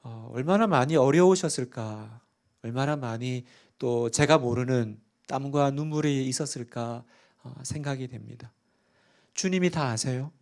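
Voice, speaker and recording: A man's voice: mid-range voice, measured pace, a little mellow. A middle-aged man, a pastor, preaching a sermon in a church and often putting questions to the congregation. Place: church sanctuary.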